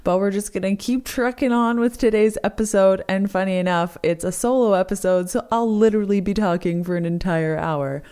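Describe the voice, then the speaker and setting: A young adult woman with a hoarse, strained voice, hosting a solo podcast in an upbeat, enthusiastic way. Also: mid-range voice, brisk, hardly any pauses, warm tone. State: hoarse, lost her voice. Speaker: podcast host. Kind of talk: solo podcast chat with sponsor reads.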